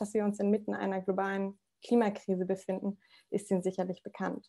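Against a quiet background, a woman talks at a fairly quick pace in a medium pitch with a dark, mellow tone. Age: 20s. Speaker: climate activist; speaker. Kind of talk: prepared speech. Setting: video call. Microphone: earbuds.

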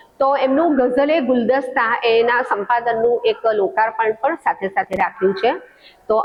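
Noticeable background noise runs through the clip. The speaker's intonation rises and falls in a lively way. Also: woman. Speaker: English professor. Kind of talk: interview statement.

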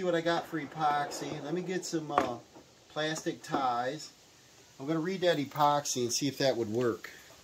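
At a moderate pace with ordinary pitch variation, the speech comes through noticeable background noise. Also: man. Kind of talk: tutorial. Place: street.

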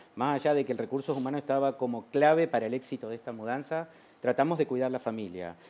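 A man's dark, mellow tone carries his fairly quick delivery. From Argentina, Rosario; Argentina. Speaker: guest. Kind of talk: panel discussion. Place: studio. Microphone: lapel.

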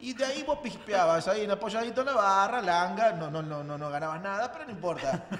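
Speaking at a fairly quick pace with lively intonation, a high-pitched man shows big swings in loudness amid audible room echo. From Argentina. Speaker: local radio and TV host; local radio, TV host. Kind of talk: casual chat. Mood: relaxed nostalgic banter. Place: studio.

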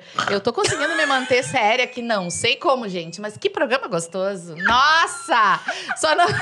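Against noticeable background noise, a woman with a high voice speaks at a moderate pace, her pitch swinging very widely. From Rio Grande do Sul, Brazil. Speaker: podcast host, journalist; podcast host. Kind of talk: casual podcast chat. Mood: cheerful, laughing at end. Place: studio. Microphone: studio mic.

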